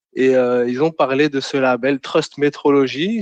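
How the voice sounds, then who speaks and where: Pitch variation is ordinary and the pace fairly slow. The sound is dry and close, with no echo. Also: man. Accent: Alsatian. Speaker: metrology manager at an industrial plant. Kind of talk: webinar presentation. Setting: online webinar. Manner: hesitant, many fillers.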